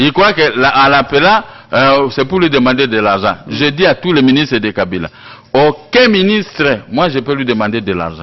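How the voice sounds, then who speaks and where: A man speaks at a moderate pace in a fairly high pitch with vocal fry. His pitch swings very widely. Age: 60s. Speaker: opposition politician. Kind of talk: interview.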